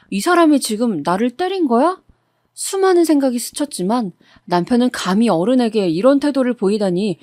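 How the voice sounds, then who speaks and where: A woman with a slightly high voice reads a first-person true-life story at an even, steady pace. She is recorded close on a studio mic, with no room sound.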